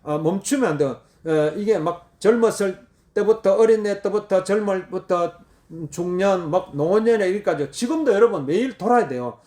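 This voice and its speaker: A middle-aged man preaching a sermon, repeating key words and breaking into sudden loud exclamations. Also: high voice, normal speed. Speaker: pastor.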